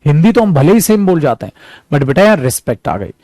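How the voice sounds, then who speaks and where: A man's voice: fairly high pitch, very animated, quick pace, darkish tone, dry recording. A man teaching an online English lesson in a chatty way, calling his students "beta" and acting out examples. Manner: acts out examples.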